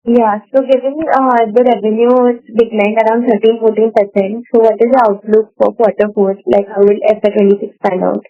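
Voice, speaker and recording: A woman's voice: fairly high pitch, level tone, fairly quick, hardly any pauses. A woman asking a question as an analyst on an earnings call. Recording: narrow phone line.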